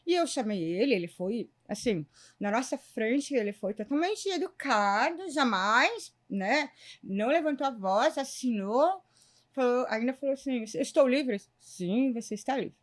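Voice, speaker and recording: High-voiced Brazilian woman telling a story. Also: measured pace. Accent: Brazilian Portuguese. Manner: lively retelling that acts out quoted dialogue. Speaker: lawyer. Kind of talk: conversational storytelling.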